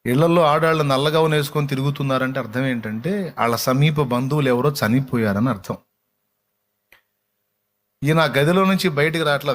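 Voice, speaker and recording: Expressive male preacher. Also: medium pitch. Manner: expressive, voices dramatic quotes, affirms reader with short "aa". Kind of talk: sermon with Bible reading.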